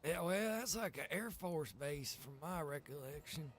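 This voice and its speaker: A man's voice: on the high side, animated, measured pace, a bit bright, slight background noise. A man chatting casually in character in an online roleplay game, with a folksy, easygoing way of talking. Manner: folksy, easygoing, drawling phrases. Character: Pete, friendly folksy wandering survivor in zombie roleplay.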